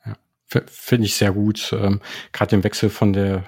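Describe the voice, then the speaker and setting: A man's voice: on the low side, flat delivery, a little slow, vocal fry, darkish tone, husky. A man hosting a podcast, introducing his guest and asking questions in a friendly, slightly hesitant way. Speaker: podcast host. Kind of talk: interview hosting.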